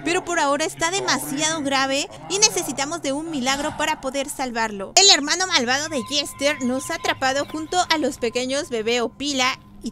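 A woman hosting a gaming channel, talking straight to her viewers with emotive, excited reaction commentary. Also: high-pitched. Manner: emotive, addresses viewers directly. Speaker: gaming YouTuber host. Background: background music.

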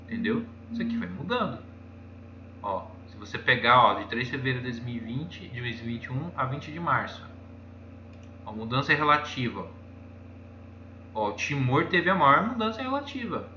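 A man's voice: mid-range voice, lively intonation, moderate pace, long pauses. A man with a Brazilian accent chatting casually while walking through charts on screen, rambling and pointing things out over and over. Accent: Brazilian Portuguese. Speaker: YouTuber. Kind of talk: casual screen-share commentary. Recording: echoey room, dull lo-fi sound, faint noise.

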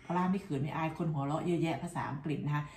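A woman's voice: deep voice, fairly even intonation, rapid-fire, a little mellow, reverberant. A middle-aged woman from Thailand, chatting and laughing while cooking breakfast at home for her vlog. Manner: chatty and laughing, constant polite tag words. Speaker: cooking vlogger. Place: home kitchen, indoors.

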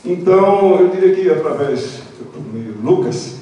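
An older man with a Brazilian accent moderating a seminar panel, speaking formally and haltingly as he searches for words. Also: high voice, expressive, warm tone. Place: large indoor auditorium at panel table. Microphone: handheld microphone through hall, far camera. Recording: echoey auditorium, distant mic, faint noise.

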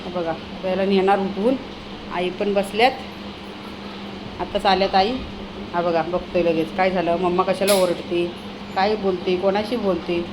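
A woman's voice: fairly low pitch, fairly even intonation, normal speed, long pauses. A woman chatting casually through a home vlog, talking and scolding as she goes. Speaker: vlogger. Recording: noisy home recording.

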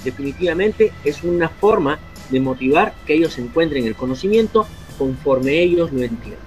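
Man on a video call, slightly high voice, faint music behind, steady listing tone. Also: moderate pace. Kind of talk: explanatory talk on a video call.

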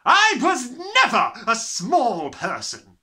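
A man's voice: extremely high pitch, wildly swooping pitch, slow pace, pushed and bright, voice pushed up, heavily acted. A man voicing a huge, bullying, furious headmistress from a storybook, barking and bellowing with contempt. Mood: scornful, snapping. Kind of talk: storybook character reading.

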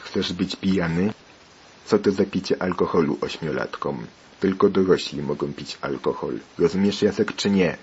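A man's voice: deep voice, normal speed, a little mellow, highs cut off, a little hiss or hum. A man voicing a stern, scolding father. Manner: scolding, insistent. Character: stern worried father lecturing his son.

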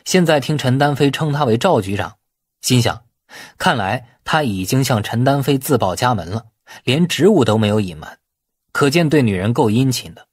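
A man reading a novel aloud as expressive scripted narration. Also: medium pitch, normal speed, breathy edge, dry recording, clean studio sound. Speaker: audiobook narrator.

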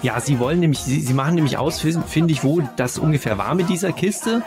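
A man's voice: on the high side, expressive, fast talker, music in the background. A man chatting casually and emphatically as a sardonic podcast co-host reviewing audio dramas.

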